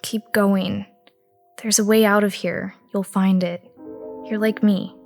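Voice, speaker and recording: A woman acts a knowing, ghostly aunt in an audio drama. She is solemn and cryptic, with very slow, measured delivery and plenty of vocal fry. Soft music plays behind her. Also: mid-range voice, level tone. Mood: cryptic warning.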